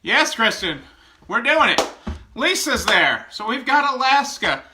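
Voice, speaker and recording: A man's voice: very high voice, very animated, unhurried, background noise. A man from upstate New York hosting a casual livestream, playfully greeting viewers by name and joking with them. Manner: playful, jokey, reads out viewer names. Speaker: livestream host.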